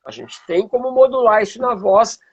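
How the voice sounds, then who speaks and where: Husky, higher-pitched Brazilian man teaching. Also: big pitch swings, normal speed, dull audio. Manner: didactic, checks in with rhetorical questions. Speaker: singing and music teacher. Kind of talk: informal explanatory talk with demonstrations.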